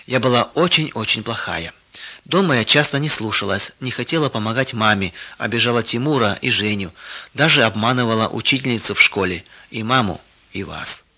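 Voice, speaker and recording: A man voicing an earnest, quick-tempered little girl in a raised, lively voice, in a Christian children's story read aloud. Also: mid-range voice, muffled recording. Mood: remorseful.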